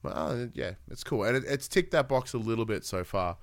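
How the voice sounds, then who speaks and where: A man's voice: medium pitch, animated, a little fast, no echo, clean studio sound. A man co-hosting a casual gaming podcast, talking in a rambling, upbeat way with many fillers and restarts. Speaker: podcast co-host.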